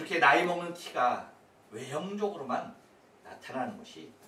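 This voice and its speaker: A man talks in a high pitch with very wide pitch swings and long, frequent pauses. The room echoes audibly, and background noise is noticeable. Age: 60s. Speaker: pastor. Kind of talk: sermon.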